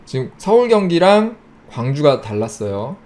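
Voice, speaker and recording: A man hosting his own channel, casually walking through election figures on screen and listing regions in quick clipped phrases. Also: a little high, big pitch swings, darkish tone. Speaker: YouTube host. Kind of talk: casual screen-share data walkthrough.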